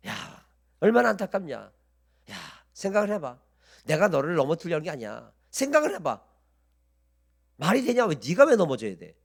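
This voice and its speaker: A sly, wheedling Satan who fakes friendly sympathy, pitched high and lively, as a man acts him out in a sermon. He coaxes and persuades with a false, caring tone. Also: moderate pace, creaky, long pauses, heavily acted.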